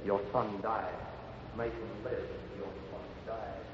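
An actor playing a blunt, ominous bringer of death news in a radio drama flashback, drenched in cavernous echo. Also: male voice, on the low side, level tone, takes it slowly, slight background noise. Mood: grim, haunting. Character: grim bearer of death news, echoing in memory. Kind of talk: 1950s radio drama acting. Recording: echoing, muffled old radio recording.

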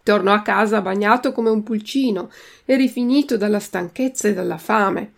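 Donna che legge una fiaba con voce roca. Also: female voice, mid-range voice, creaky. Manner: slow, careful enunciation. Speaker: reader and language teacher. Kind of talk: storybook reading with vocabulary drill.

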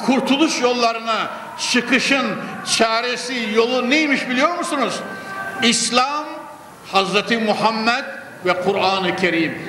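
An older man preaching a sermon at a pulpit microphone, with an emphatic, oratorical delivery that repeats phrases and moves into recitation. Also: extremely high pitch. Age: 60s or older. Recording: echoey hall with long reverb, clear noise.

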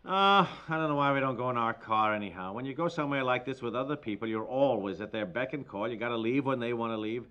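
An actor playing an excitable, stammering, easily exasperated husband and father with an American accent, in 1950s radio comedy style. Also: medium pitch, quick pace, few pauses, dull audio, natural voice. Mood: grumbling. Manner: excitable, stammering, folksy exclamations.

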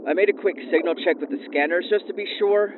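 A steady, alert deep-sea diver, as a man plays him, sends clipped field reports over his helmet radio intercom. His voice sits high and bright in a squeezed, phone-thin band, with steady static hissing underneath it. The tone stays professional and to the point the whole way through. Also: quick pace. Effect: helmet radio intercom, diving suit comms. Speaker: diver on an exploration team. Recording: tinny radio comms with static.

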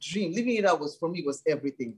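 A woman speaks in a low, breathy voice. She talks earnestly and thoughtfully and keeps her sentences flowing. She sounds like a church leader looking back on her past. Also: expressive, rapid-fire. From Nigeria. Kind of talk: casual interview talk.

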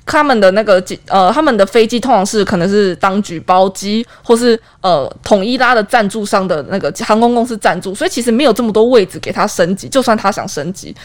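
Woman co-host, quick talker, explains words, lots of yeah right. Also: medium pitch, expressive. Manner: explanatory, answers with quick agreements. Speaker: co-host, translator. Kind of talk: casual chat.

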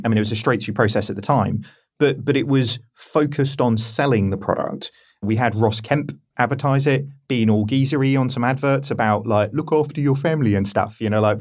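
A man hosting a podcast in a casual, joking way, full of "I mean" and "like". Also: mid-range voice. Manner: chatty, joking, uses fillers like "I mean" and "like". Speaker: podcast host.

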